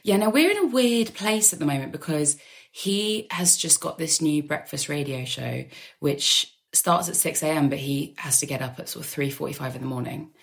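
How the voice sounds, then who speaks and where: Low, gravelly-voiced woman in casual chat. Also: animated, moderate pace. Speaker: podcast guest. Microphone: remote video call.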